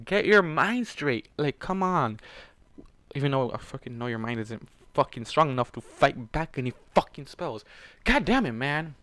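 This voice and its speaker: A man with a mid-pitched voice reacts to a story he is reading aloud. He is exasperated and swears freely, scolding the characters as if they could hear him. The sound is close and dry. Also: very animated, moderate pace, a bit bright, dry recording. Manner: profane, exasperated, addresses characters directly. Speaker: fan fiction reader and reactor. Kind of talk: reading a story aloud with angry ranting commentary.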